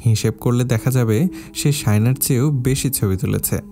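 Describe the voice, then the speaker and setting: A man narrating an audio story in a steady, measured reading style. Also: medium pitch. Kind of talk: scripted narration. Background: faint background music.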